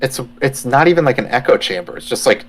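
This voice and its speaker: A man's voice: mid-range voice, expressive, fast, low-quality recording. A man in casual podcast chat, blunt and exasperated.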